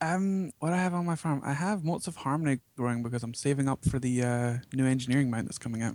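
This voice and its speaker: The speech moves at a very fast pace. The speaker has a Scottish accent. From Scotland. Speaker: gaming podcaster. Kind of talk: casual interview.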